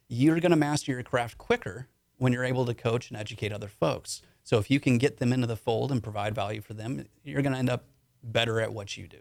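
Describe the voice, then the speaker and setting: Very fast, a man talks at a medium pitch with vocal fry, ordinary pitch variation and big swings in loudness. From St. Louis, Missouri. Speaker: insurance and funeral planning agent. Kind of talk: radio interview. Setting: radio studio.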